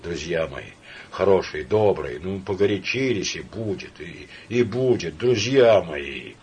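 A man's voice: fairly low pitch, sing-song, unhurried, slight background noise. A man voicing a pompous, hot-tempered middle-aged army doctor who speaks stiffly and emphatically. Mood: soothing.

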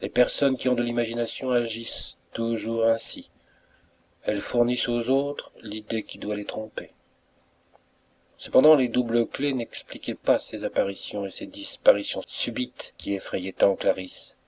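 A man reading a novel aloud as an audiobook narrator, in a calm, measured way. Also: fairly low pitch. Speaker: audiobook reader. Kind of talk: scripted narration.

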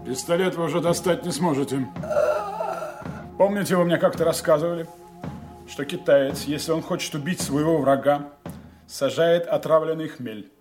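An actor playing a suave, menacing secret agent in an audio drama, sly and mockingly courteous in a theatrical way. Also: male voice, fairly high pitch, a little mellow, close to an everyday voice. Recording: music behind the voice.

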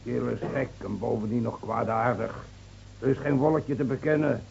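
An actor playing a gruff village tavern keeper in a radio play, scoffing, curt and bossy. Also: male voice, medium pitch, normal speed, a little mellow. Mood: scornful. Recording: muffled, noisy old radio recording with hum.

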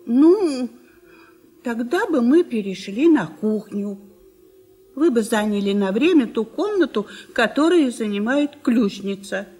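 A kindly old country wife, pious and easily fretted. Her voice is highish and husky, and she fusses unhurriedly in the manner of an old radio drama. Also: expressive, a little slow, faint music behind. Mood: fretful scolding. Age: older. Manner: fussing, gently scolding. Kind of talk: radio play acting.

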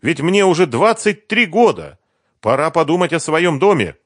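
A man's voice: fairly high pitch, big pitch swings, moderate pace, fairly bright tone, no echo, studio quality, voice pushed up. A man reading the part of a twenty-three-year-old woman singer, who sighs and talks persuasively about men and money. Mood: coaxing. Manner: sighing, persuasive, lightly complaining. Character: young woman pop singer, 23, coy and calculating.

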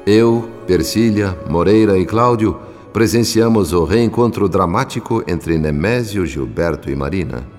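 Radio drama narrator: formal, solemn storyteller, deep register, reverberant with soft music behind. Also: male voice, lively intonation, measured pace. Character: solemn male spirit narrator. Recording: long reverb, music underneath.

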